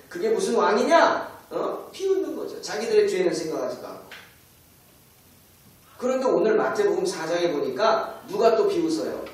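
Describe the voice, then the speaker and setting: A man pastor preaching a sermon dramatically, often asking the congregation rhetorical questions. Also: high-pitched. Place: church sanctuary. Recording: echoey church hall, mic far off.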